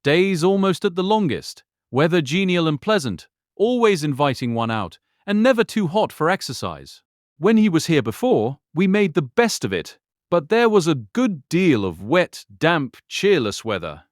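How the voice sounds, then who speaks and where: Sanguine older gentleman, very animated pitch, rambling, effusive, dry close sound, period audiobook drama. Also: moderate pace, dry recording. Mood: eager, hopeful. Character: cheerful, talkative older gentleman, proud sanguine father. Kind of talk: full-cast audiobook period drama acting.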